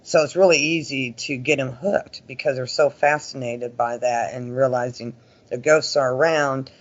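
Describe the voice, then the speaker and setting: A man's voice: mid-range voice, fairly even intonation, moderate pace. A man talking casually as an interview guest, telling stories in a chatty, folksy way and often voicing quoted remarks. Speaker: interview guest, paranormal investigator. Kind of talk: casual conversational storytelling. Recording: dull lo-fi audio.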